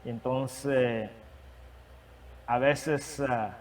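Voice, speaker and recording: A man who is not a native Spanish speaker, preaching and sharing a testimony, with a halting manner and many restarts. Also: medium pitch, steady tone, distant mic, a little hiss or hum. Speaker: guest preacher. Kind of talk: sermon testimony.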